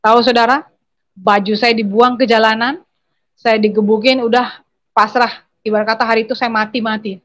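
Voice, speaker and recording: A woman's voice: a little high, fairly even intonation, moderate pace, a bit bright. A woman giving an earnest personal testimony over a video call, speaking straight to her listeners. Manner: earnest, addresses listeners as brothers and sisters.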